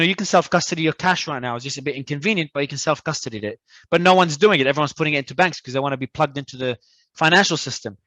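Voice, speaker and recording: A man from Australia, a guest talking in an animated, emphatic way and often repeating words as he restarts. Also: a little high, no room sound. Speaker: crypto entrepreneur guest. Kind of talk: casual interview talk.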